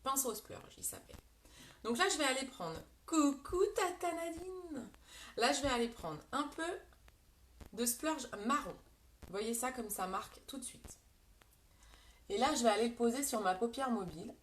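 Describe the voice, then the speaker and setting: A woman's voice: fairly high pitch, animated, normal speed, long pauses, fairly bright tone, reverberant, distant mic. A woman giving a casual live makeup tutorial, chatting to viewers by name and explaining each step. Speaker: beauty product seller doing a live makeup demo.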